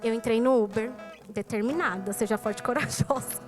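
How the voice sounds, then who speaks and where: During a church service, a woman preacher with a Brazilian Portuguese accent gives a testimony in her sermon, telling her story and addressing the congregation directly. Her voice is on the high side at a moderate pace, with soft background music.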